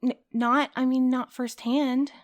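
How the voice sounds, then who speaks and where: A gentle, hesitant young courier, played by a woman in an audio drama. Her voice is higher than most women's. She tends to soften the confrontation and speaks with some hesitation. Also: little pitch movement, measured pace, no room sound, clean studio sound. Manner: hesitant, conciliatory.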